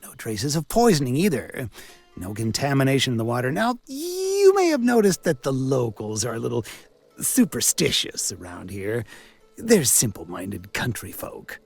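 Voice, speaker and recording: Wildly animated, sarcastic village doctor. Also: male voice, mid-range voice, normal speed, vocal fry, faint music behind. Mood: wry. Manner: sardonic, theatrical, wisecracking. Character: sarcastic village doctor and coroner, self-styled man of science. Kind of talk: video game character acting.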